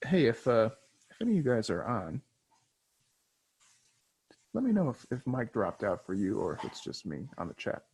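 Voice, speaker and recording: A man co-hosting an online webinar in casual chat, talking in a relaxed, rambling way with many fillers, over a computer mic. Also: mid-range voice, normal speed, pauses often, breathy edge, poor audio. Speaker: webinar co-host.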